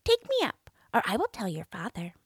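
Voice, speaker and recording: A woman reading a storybook, voicing a small male enchanted frog who calls in a high, slow, drawn-out way. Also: huge pitch swings, slightly rough, no echo, studio quality, exaggerated voice. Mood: demanding.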